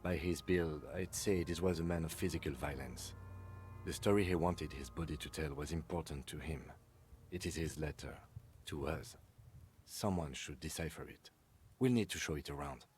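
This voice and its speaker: Game character, measured, exacting police lieutenant, very low voice. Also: male voice, darkish tone, slight background noise. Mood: composed. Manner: measured and precise. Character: calm, precise police lieutenant. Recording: faint music under the voice.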